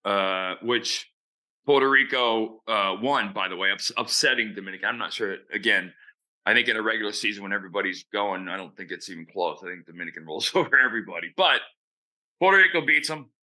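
A man's voice: on the low side, fairly quick, sharp tone. A man giving blunt, opinionated baseball analysis in casual podcast chat. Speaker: baseball analyst and show regular.

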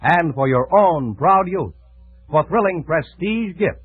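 A man's voice: a little high, lively intonation, takes it slowly, breathy edge, dry recording. A man announcing on a golden age radio show in a polished, emphatic sales style, on a tinny old broadcast. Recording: tinny band-limited old radio broadcast, faint music.

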